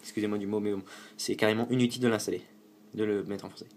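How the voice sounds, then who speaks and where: A man from France talks through a casual tech tutorial in a fairly low voice. He rambles, corrects himself mid-sentence and drops the odd swear word. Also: steady tone, very fast, darkish tone, slight background noise. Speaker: tutorial host.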